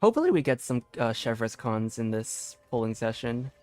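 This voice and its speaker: A man's voice: mid-range voice, very animated, moderate pace, darkish tone. A man streaming a game, chatting casually and thinking aloud in a loose, rambling way. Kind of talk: casual livestream gameplay chat. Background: faint game music.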